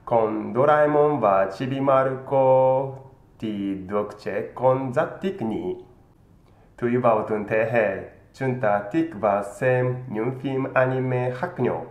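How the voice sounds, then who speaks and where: A man in his thirties, a native Japanese speaker with a Japanese accent, presenting scripted phrases with careful enunciation. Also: medium pitch. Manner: careful, deliberate enunciation of a learned language. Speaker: presenter of a language channel. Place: indoor room with green screen. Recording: roomy, slightly dull, faint noise.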